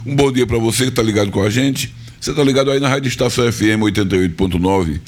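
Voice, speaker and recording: A man from northeastern Brazil, hosting a live radio music show, slightly hoarse and chatty, repeating details for listeners. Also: mid-range voice, quick pace. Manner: chatty, repeats phone numbers and tags lines with "viu?" and "né?". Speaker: radio host. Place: radio studio.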